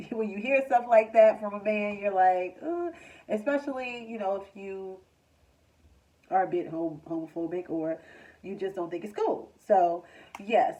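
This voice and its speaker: A woman's voice: mid-range voice, warm tone, muffled recording. A congested woman doing a casual, chatty tarot reading with a loose, filler-heavy way of talking. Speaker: tarot reader.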